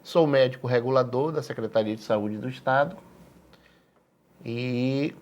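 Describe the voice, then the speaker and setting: An older man with a Bahian Brazilian accent answers studio interview questions in a mid-range voice. His delivery is measured and halting, with repeated words and frequent tag questions. He sounds like a seasoned professional thinking aloud. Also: mid-range voice, a little mellow, highs cut off. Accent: Bahian Brazilian Portuguese. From Salvador, Bahia, Brazil. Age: 60s. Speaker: physician, interview guest.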